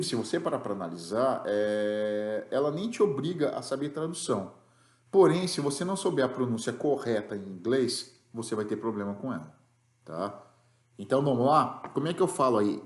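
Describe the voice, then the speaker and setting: A man's voice: mid-range voice, echoey room. A man with a Brazilian Portuguese accent teaching an English grammar lesson, explaining rules patiently and checking in with the class after each point.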